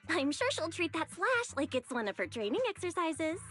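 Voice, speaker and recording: An actress voicing a brisk, teasing woman in video game voice acting. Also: very high-pitched, big pitch swings, fairly bright tone, exaggerated voice.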